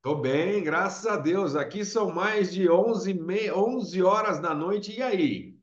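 A man's voice: sits high, slow. A middle-aged man hosting a casual video-call interview, upbeat and salesy. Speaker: agency host interviewer. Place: small room indoors. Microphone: webcam on video call. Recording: roomy, dull lo-fi video call.

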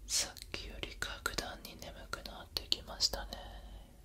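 A young man in a whispered role-play as a soothing hypnotist, speaking in a breathy whisper right in the listener's ear with repetitive, lulling suggestions. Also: unhurried. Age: young adult. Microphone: close binaural ASMR microphone.

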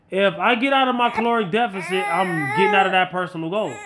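Higher-pitched man in his thirties, blunt talker. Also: noisy background. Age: late 30s. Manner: blunt, emphatic, colloquial, repeats himself for emphasis. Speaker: fitness vlogger. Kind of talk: casual motivational talk to viewers.

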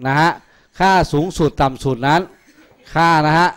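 A man's voice: on the high side, steady tone, unhurried, clean tone. A man teaching math in a classroom, teasing his students with crude jokes. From Thailand. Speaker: math tutor. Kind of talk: classroom lecture.

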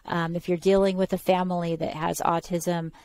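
A woman's voice: on the low side, level tone, moderate pace, a little mellow. A woman in her forties hosting a podcast interview over a video call, speaking enthusiastically and encouragingly into a headset mic. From California. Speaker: podcast host. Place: room at home.

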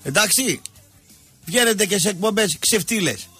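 A man's voice: sits high, lively intonation, bright, forceful tone, slightly rough, faint music behind. A man ranting as a football pundit on a radio show, stammering and slipping into a sing-song delivery. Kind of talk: heated radio sports rant.

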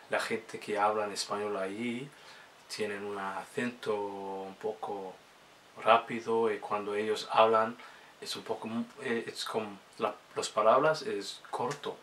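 This vlogger, a Somali-speaking man, talks casually in a fairly low, sharp-toned voice. As a hesitant learner of the language, he halts and restarts his words often. A little hiss or hum is audible.

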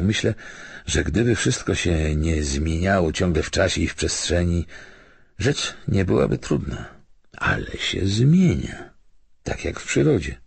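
A man voicing a reflective, measured stranger who argues thoughtfully in an audiobook. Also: low-pitched, gravelly, slightly rough, no echo, heavily acted. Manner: thoughtful, hesitant, argumentative. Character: reflective, measured male stranger debating philosophy.

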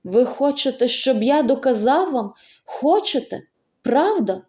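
A woman voicing a desperate young male student who pleads loudly and insistently, in an audiobook reading. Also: high-pitched, lively intonation, unhurried, voice pushed up.

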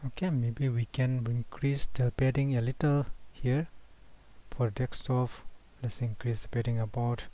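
Slow, dark-voiced man. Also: medium pitch, fairly even intonation. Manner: slow, halting narration of each click, self-correcting. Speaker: web design tutor. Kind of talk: screen-recorded software tutorial.

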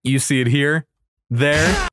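A man hosting a reaction video, talking casually and excitedly with exaggerated enthusiasm and frequent swearing. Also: a little high, takes it slowly, noisy background. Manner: hyperbolic, casual, heavy swearing. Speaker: video host reacting to game trailers.

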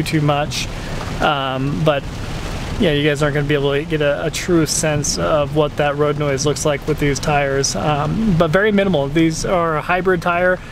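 Chatty man driving through heavy rain. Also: a little high. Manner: chatty, rambling with many fillers and restarts. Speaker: car channel host. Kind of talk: casual POV driving vlog. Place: inside a pickup truck driving in the rain. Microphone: camera mounted in the cab. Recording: rain drumming on the truck. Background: rain and road noise.

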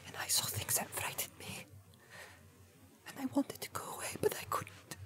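A man voicing a frightened, haunted young hobbit in a storybook, breathy and hesitant, stammering as he speaks. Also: steady tone, moderate pace, pushed and bright. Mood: shaken, remorseful. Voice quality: breathy, shrill at peaks.

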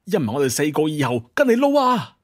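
A man voicing a gluttonous, fawning big black dog in a Cantonese audio drama, with drawn-out phrases. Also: on the high side, big pitch swings. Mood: fawning, satisfied. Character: gluttonous, satisfied big-mouthed black dog, eldest of four.

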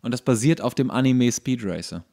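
A man's voice: medium pitch, a little fast, vocal fry, dark tone. A man co-hosting a casual podcast chat, explaining trivia at length and in detail. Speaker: podcast co-host.

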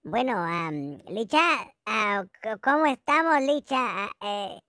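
A hoarse woman acting out a comic phone call, dramatic, keeps repeating the other person's name and drops into whispers. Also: a little high, sing-song, slow pace, a bit bright, no echo, clean studio sound. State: hoarse, claims lost voice. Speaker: comedy vlogger. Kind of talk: comic one-sided phone call sketch.

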